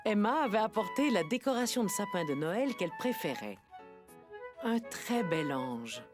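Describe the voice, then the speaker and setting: A woman narrating a children's cartoon in a gentle, expressive storytelling manner. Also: mid-range voice, moderate pace, music in the background.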